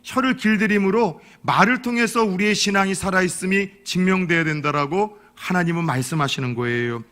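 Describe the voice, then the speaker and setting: A man's voice: high voice, bright, forceful tone. A man preaching a sermon as a pastor, earnest and mixing in folksy humor. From Korea.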